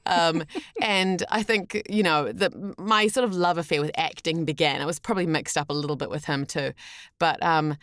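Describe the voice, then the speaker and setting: A New Zealand woman in her thirties talks casually and reflectively in an interview. Her voice sits a little low, and the sound is dry with hardly any room in it. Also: fairly even intonation, normal speed, a bit bright, no room sound. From rural New Zealand. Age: 30s. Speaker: podcast guest, voice actor. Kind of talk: casual personal storytelling in an interview.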